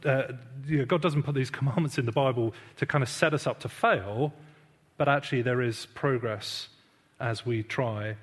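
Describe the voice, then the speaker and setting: A husky, mid-range male voice delivers a conversational, sermon-style teaching talk at church, self-deprecating and full of fillers. The recording carries a long hall reverb.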